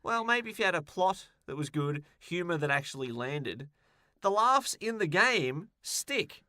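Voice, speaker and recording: A man's voice: high voice, big pitch swings, unhurried, sharp tone, dry recording, clean studio sound. A man co-hosting a podcast, chatting casually about what he is reviewing with wry, sarcastic humour. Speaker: podcast co-host.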